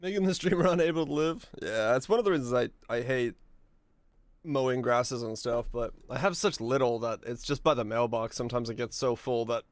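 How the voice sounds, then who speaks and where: A hoarse man with a raspy, fading voice chatting casually while streaming a game, rambling and halting, swearing now and then. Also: medium pitch, no echo. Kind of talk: casual gaming stream commentary.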